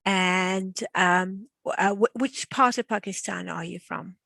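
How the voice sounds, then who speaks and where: A woman from South Africa hosting a casual class chat, asking questions in a halting, inquisitive way. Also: medium pitch, gravelly, bright, forceful tone, no echo. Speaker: class host.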